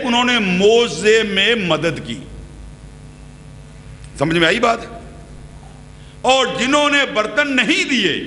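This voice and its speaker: A middle-aged male preacher with a high, bright, piercing voice, speaking into podium microphones. He questions his congregation and preaches with sweeping gestures. The sound rings with the long reverb of a church hall, over a faint hum. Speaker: pastor. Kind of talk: sermon. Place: church hall with brick wall, indoors.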